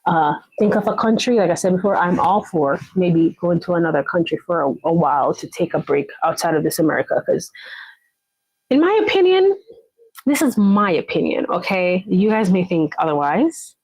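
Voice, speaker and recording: A woman's voice: on the low side, sing-song, moderate pace, darkish tone, breathy edge, no echo, rough recording. A woman from Jamaica, hosting a casual motivational live chat, encouraging her viewers and often repeating herself to check in with them. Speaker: live stream host.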